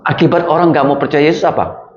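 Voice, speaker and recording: A man's voice: on the high side, fairly even intonation, fast, slight background noise. Man preaching with questions, echoey room. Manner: questioning, calls on listeners by name; colloquial, rising and falling emphasis. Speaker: preacher teaching a class. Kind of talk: interactive sermon with questions to listeners. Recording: echoey room, dull lo-fi sound.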